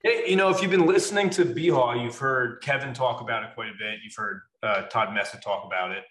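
A man in his late thirties, a podcast guest explaining things at length in a measured way with frequent fillers. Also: medium pitch, a bit bright, reverberant. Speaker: guest, wrestling club officer. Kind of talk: casual podcast interview.

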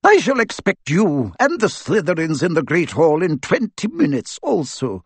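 Brief: fierce older headmistress type, clipped and commanding, read by a man, higher than his own voice. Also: wildly swooping pitch, moderate pace, gravelly, husky, no room sound, heavily acted. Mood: stern. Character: stern commanding older Scottish witch professor.

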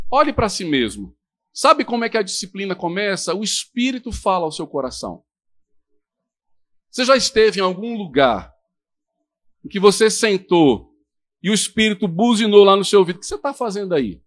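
A middle-aged Brazilian man preaching a sermon as pastor, exhorting his congregation, dropping to quiet asides and rising to loud emphatic bursts. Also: high voice, big pitch swings, moderate pace. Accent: Brazilian Portuguese.

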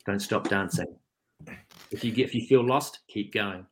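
A man's voice: fairly low pitch, normal speed, rough recording. A man on a panel, an actor chatting with wry, jokey asides. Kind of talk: joking panel chat.

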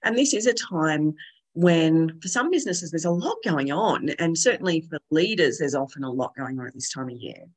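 A woman with a slightly croaky, hoarse voice from being unwell, co-hosting a podcast in a relaxed, conversational way. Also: sits low, normal speed. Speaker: podcast co-host.

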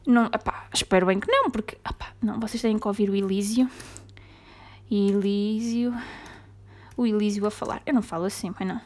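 A woman from Mangualde in Portugal with a light Beira-tinged European Portuguese accent, hosting a casual solo podcast. She rants in a chatty way, jumping between loud bursts and near-whispers. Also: mid-range voice, brisk. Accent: European Portuguese, slight Beira. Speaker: podcast host.

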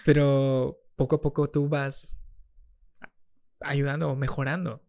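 Podcast host, reflective and encouraging, mid-pitched and monotone. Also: unhurried. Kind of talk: casual interview chat.

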